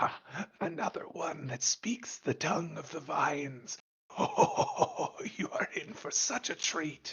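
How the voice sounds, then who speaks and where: Using a put-on character voice, a man sounds raspy and menacing, pitched high and delivered at a fairly slow pace. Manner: maniacal, gleeful, menacing.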